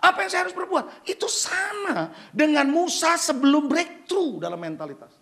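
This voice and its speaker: A man's voice: very high-pitched, sing-song, moderate pace, fairly bright tone. A male pastor preaching an emphatic sermon, firing rhetorical questions at the congregation and slipping English phrases into his talk.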